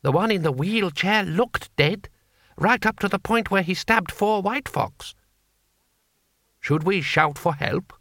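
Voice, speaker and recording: A man's voice: high voice, expressive, slow, a bit bright, no room sound, studio quality, pitched above the performer's own voice, full character voice. A man voicing a timid, deferential captured guard who talks meekly, in an audiobook story. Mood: anxious, baffled. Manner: meek, pleading.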